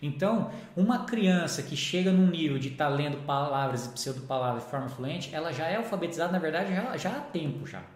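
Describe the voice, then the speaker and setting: A man's voice: fairly high pitch, animated, a little fast, hardly any pauses. A man, hosting a casual educational live chat about teaching children to read. He explains at length and keeps checking in with tag questions. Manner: chatty, explanatory, often ends with tag questions. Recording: roomy echo.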